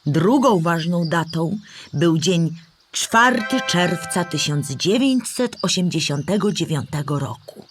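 A woman's voice: fairly low pitch, lively intonation, slow pace, music in the background. A woman playing a kindly old storybook animal who patiently explains history to a child in a children's audio play. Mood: patient, explaining. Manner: patient, clear explaining in simple words.

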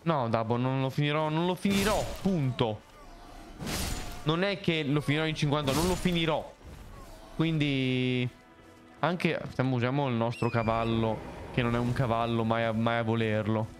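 A young man streaming a game live, reacting loudly and hurling playful insults at enemies. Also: medium pitch, moderate pace. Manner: excitable, swears and yells insults at enemies. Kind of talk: live gameplay commentary. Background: game music.

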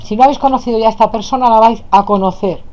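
A woman with a Spain Spanish accent giving a tarot card reading to her viewers, calling them "my loves" warmly as she lays out cards at a table. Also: fairly high pitch, rapid-fire, rough recording. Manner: affectionate, addresses viewers as "my loves". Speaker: tarot reader. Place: indoors at a table, hands only on camera.

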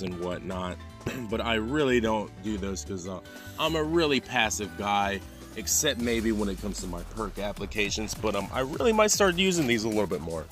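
A young man hosting an app review vlog, talking with energetic, salesy hype and catchphrases on a lapel mic. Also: lowish voice. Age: young adult. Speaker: host.

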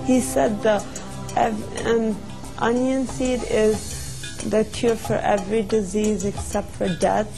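A woman's voice: mid-range voice, flat delivery, takes it slowly, creaky, over music. A woman speaking in a level, matter-of-fact way about her family's health practices. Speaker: interviewee. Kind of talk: personal testimony.

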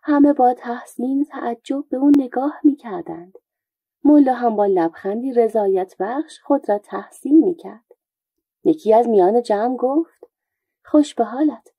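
A woman storyteller calmly narrating folk tales in a steady reading voice. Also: a little high, husky, dry recording, phone-quality sound.

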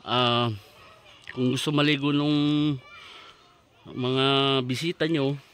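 A man's voice: a little high, fairly even intonation, slow, a bit bright, smooth. A man giving a polite, chatty walking tour of farmland by a river, pointing things out as he goes. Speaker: vlogger showing land for sale. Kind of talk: casual walking tour narration.

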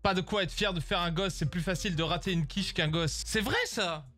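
A man's voice: high-pitched, brisk, fairly bright tone. A man from France streaming a shooter game, ranting crudely and animatedly at his chat and teammates. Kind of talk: casual gaming stream rant.

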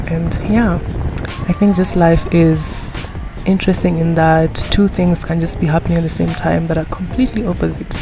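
A young woman from Kenya narrating a casual travel vlog in a relaxed, musing way, with many fillers. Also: lowish voice, rough recording. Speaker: vlogger. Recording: music playing behind the voice.

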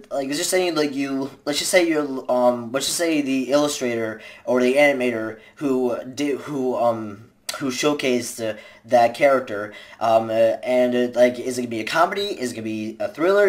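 A man's voice: medium pitch, moderate pace, few pauses. A young man in his twenties giving casual advice to a webcam from his bedroom. He rambles, restarts his sentences and says "like" a lot while gesturing with both hands. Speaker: vlogger giving voice acting tips. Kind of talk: casual advice talk to camera. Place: small bedroom indoors, seated in a gaming chair. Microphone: webcam at desk distance.

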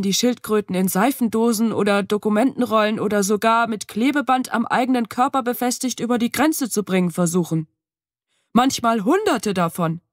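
A woman's voice: on the high side, no echo, natural voice. An audiobook's hesitant young man, raised a little above the reader's own register, stumbling into long explanations, as a woman reads him. The studio is dry and close. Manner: hesitant, then explaining at length. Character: young man, nervous know-it-all friend. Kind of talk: audiobook dialogue reading. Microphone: close studio mic.

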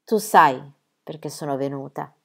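A woman voicing a calm, loving mother in a reading of a children's story, speaking slowly and softly. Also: gravelly, slightly rough, heavily acted. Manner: slow, calm, low and soft. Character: calm, loving mother Lovisa, steady and wise.

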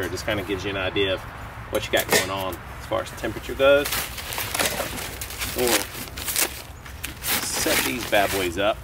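Man in his thirties, casual backyard vlog, lowish voice, relaxed and chatty, steady outdoor noise behind. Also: recorded from a distance. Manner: relaxed and chatty, with loose restarts. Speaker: host.

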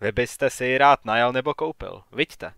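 A man voicing a courteous small-town real estate agent in an audiobook, a little raised and brisker than his narration. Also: mid-range voice, vocal fry, smooth, no echo, studio quality. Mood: polite, probing. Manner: courteous, then sharp and questioning.

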